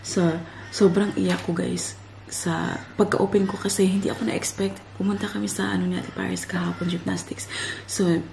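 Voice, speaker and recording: A woman's voice: fairly low pitch, vocal fry, darkish tone, a little hiss or hum, low-quality recording. A woman chatting casually to her viewers in a family vlog, calling them "guys" and laughing often. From Philippines. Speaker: family vlogger. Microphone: handheld vlogging camera or phone.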